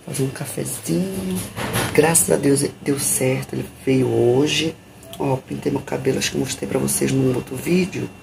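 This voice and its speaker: Brazilian lady rambling to her phone at home, super croaky fry in her voice, noisy recording. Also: extremely low pitch, normal speed. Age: middle-aged. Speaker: vlogger. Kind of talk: casual chat to camera. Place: small rooms at home, indoors. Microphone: phone at arm's length.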